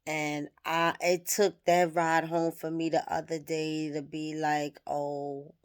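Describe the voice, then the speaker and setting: Her voice is low and clean, delivered slowly and flatly. She's a thirty-something woman vlogging, musing candidly to the camera in a reflective monologue and swearing without restraint as she thinks aloud.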